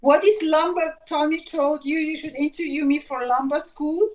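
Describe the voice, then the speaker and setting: A woman from Switzerland with German as her first language speaks English in a high voice. She chats casually, hesitating and restarting as she looks for words. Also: fairly even intonation, normal speed, a little mellow. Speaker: teacher. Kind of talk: casual call-in chat.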